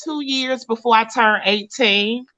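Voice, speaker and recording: A woman's voice: a little high, fairly even intonation, unhurried, bright, forceful tone. A blunt, profane woman, hosting a casual talk show. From Mississippi, US. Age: late 30s. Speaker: host. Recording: lo-fi stream audio.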